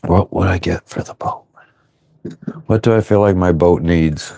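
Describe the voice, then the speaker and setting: A man hosting a casual livestream from his sailboat, reading viewer comments aloud and rambling through relaxed answers. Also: sits low, unhurried, creaky. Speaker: livestream host answering chat. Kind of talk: casual live chat. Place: on board a sailboat.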